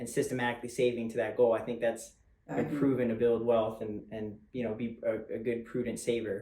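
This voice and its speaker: Speaking at a fairly quick pace, a man with a medium pitch keeps a monotone, flat intonation. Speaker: financial advisor. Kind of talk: interview questions.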